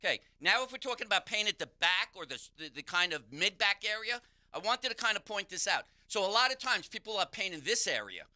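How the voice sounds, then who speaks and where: A man's voice: sits high, sing-song, fast, sharp tone. A man, a pain therapist, explaining how the body works on a call-in radio show. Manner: explanatory, instructive. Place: radio studio.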